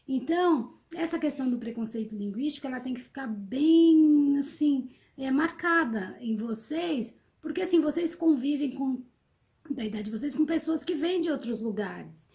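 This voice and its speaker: A high-voiced middle-aged woman talks to students. She explains patiently but hesitantly, with many fillers and restarts along the way. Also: expressive, moderate pace, dark tone. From São Vicente, Brazil. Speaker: interviewee, teacher.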